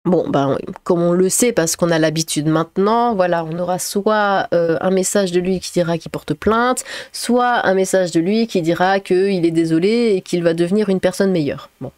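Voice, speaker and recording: A woman's voice: fairly low pitch, moderate pace, darkish tone, no echo. A woman streaming from home, chatting casually to her viewers in a hesitant, rambling way with sarcastic asides. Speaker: streamer reacting to chat. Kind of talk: casual livestream commentary. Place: at home, cat nearby.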